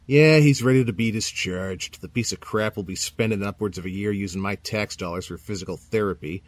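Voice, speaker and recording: An actor playing a plain-spoken police captain in an audio drama, reserved and matter-of-fact. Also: male voice, lowish voice, brisk, dry recording, lightly acted.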